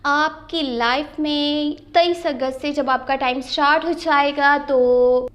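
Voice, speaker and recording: A woman's voice: high-pitched, fairly even intonation, slow, a bit bright. A woman with a slightly sore throat, giving a tarot reading to viewers and mixing in English phrases. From Pakistan. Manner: mixes English phrases into her talk. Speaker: tarot reader and channel host.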